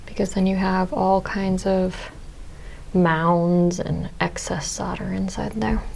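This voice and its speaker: A woman's voice: medium pitch, little pitch movement, takes it slowly, vocal fry, darkish tone, slight background noise. A woman with a Midwestern accent, teaching a jewelry soldering demo step by step, friendly and explanatory, sometimes dropping to a near-whisper as she concentrates. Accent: Midwestern American. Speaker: jewelry instructor. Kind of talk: step-by-step craft demonstration.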